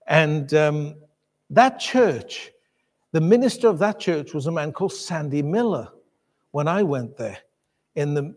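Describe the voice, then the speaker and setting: A man's voice: fairly high pitch, a little mellow, long reverb tail. A man preaching a sermon in a conversational way, with many restarts and asides to the congregation. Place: church.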